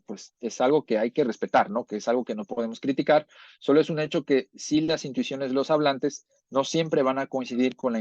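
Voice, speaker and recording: A man's voice: medium pitch, a little mellow, no echo. A man teaches a class over a video call, explaining step by step and checking in with his students. His voice sits in a middle range. The audio is dull and lo-fi, with a dry, close sound. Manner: explanatory, checks understanding with tag questions. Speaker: language teacher. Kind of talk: online class lecture.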